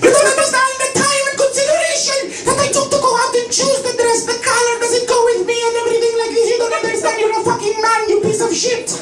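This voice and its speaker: Brief: a man playing a ranting, high-voiced angry girlfriend in a roomy space. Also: flat delivery, over loud music. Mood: furious. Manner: indignant, rapid, shrill. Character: shrill angry woman scolding her boyfriend. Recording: echoey room, distant mic, noisy.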